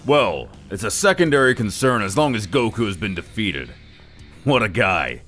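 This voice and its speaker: Man voicing a low, stern alien warrior. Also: very animated, normal speed, a bit bright, faint music behind. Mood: grim, scornful. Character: grim, disapproving male alien warrior.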